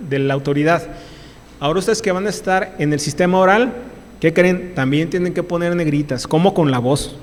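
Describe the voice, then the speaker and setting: A man's voice: on the high side, big-room sound. A man with a Mexican accent, a labor lawyer, gives a university lecture in an emphatic, repetitive way, restarting often. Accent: Mexican Spanish. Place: lecture hall.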